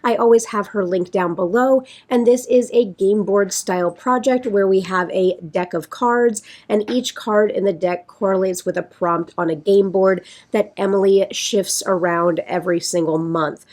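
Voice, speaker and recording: A woman talks casually to her viewers in a raspy, congested voice, hoarse from a sinus infection. She chats in a friendly, rambling way, often circling back and restarting her sentences. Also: medium pitch, normal speed, hardly any pauses, a little mellow. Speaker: beauty vlogger. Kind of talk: casual chat.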